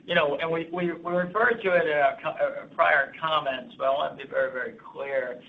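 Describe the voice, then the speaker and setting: Halting male executive on a phone line. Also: fairly high pitch, steady tone, vocal fry. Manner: halting, repeats and restarts phrases. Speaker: company executive. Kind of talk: earnings call Q&A, off-the-cuff business commentary. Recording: thin phone-line sound.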